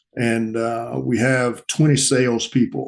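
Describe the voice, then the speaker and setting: The voice carries a New Orleans accent and fairly even intonation. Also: man. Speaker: franchise consultant. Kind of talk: interview. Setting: video call. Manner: halting, many fillers.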